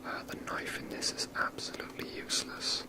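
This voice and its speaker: A person whispering rambling, unhurried ASMR commentary while playing a video game. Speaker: game streamer.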